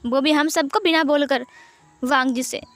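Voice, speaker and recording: A protective mother in a spoken fan story fusses and chides , as a woman reads her out. Her voice is high-pitched, and faint music plays behind her. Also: steady tone, normal speed, no room sound, lightly acted. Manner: fussing and chiding. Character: protective warm-hearted mother.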